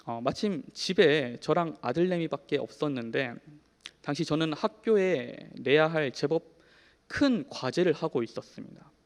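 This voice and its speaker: A man in his thirties preaching a sermon in a church, telling a personal story in an earnest way, shifting from soft to emphatic. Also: on the high side. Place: church hall. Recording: long hall reverb.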